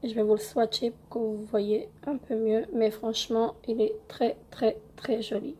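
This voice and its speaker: A young woman with a cold-roughened voice, hesitantly reviewing beauty products in a casual home vlog with many fillers. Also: fairly high pitch, fairly even intonation, normal speed, mellow. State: hoarse from a cold. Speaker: beauty vlogger.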